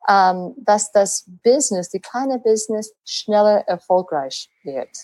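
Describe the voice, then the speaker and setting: Speaking a little slowly in an animated, mid-range voice with a darkish tone, this late-forties American woman is a sales and positioning coach guesting on an interview in German. Her grammar is a learner's and she switches into English phrases now and then, over poor audio.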